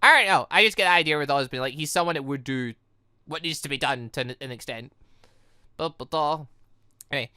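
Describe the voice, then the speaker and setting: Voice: medium pitch, a little fast, pauses often, sharp tone, clean tone, no echo. A gaming YouTuber doing rambling, thinking-aloud playthrough commentary on a visual novel, reading its dialogue out. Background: game music.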